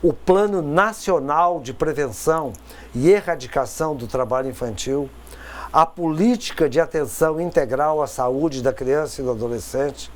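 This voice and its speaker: A man giving a recorded course lecture in a conversational way, with frequent tag questions, pauses and repeated words. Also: on the high side.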